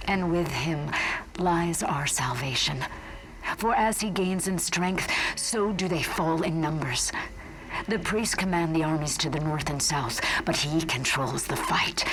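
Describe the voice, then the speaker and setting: Casting: awed woman scientist in a game, lowish voice, solemn dramatic monologue, music underneath. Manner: solemn, measured, reverent, breathy at phrase ends. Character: grave, awed woman scientist recording log entries. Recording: music behind the voice.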